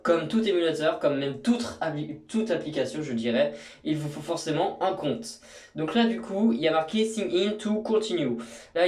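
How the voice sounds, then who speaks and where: A man's voice: on the high side, darkish tone. Rambling young man, echoey room. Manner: rambling, many fillers and restarts. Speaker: YouTuber. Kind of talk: casual screen tutorial. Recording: echoey room, mic at a distance.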